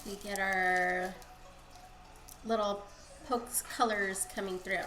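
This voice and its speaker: A woman's voice: medium pitch, steady tone, takes it slowly, pushed and bright. A woman with a congested, nasal voice from a cold, chatting her way through a casual live-stream dyeing tutorial at home. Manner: chatty, rambling explanations. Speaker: craft streamer. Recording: echoey room, faint background hiss.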